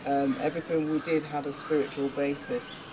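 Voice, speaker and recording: A woman's voice: low voice, flat delivery, fairly quick. Earnest woman, noisy studio. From England. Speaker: guest. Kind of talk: casual studio talk show chat.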